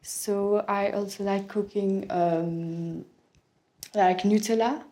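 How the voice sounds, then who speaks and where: Slow, mellow young woman, hesitant. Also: medium pitch, fairly even intonation. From Belgium. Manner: hesitant, searching for words, non-native phrasing. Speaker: English speaking test candidate. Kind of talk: answering exam questions in simple sentences.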